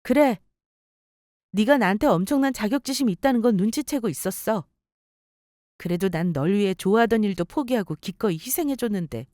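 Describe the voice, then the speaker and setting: A woman's voice: medium pitch, expressive, a little fast, dark tone, dry recording, clean studio sound, lightly acted. A woman playing a coolly mocking wife. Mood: cold. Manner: cool, mocking, composed. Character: calm, cutting wife who takes over company. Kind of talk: story radio role-play.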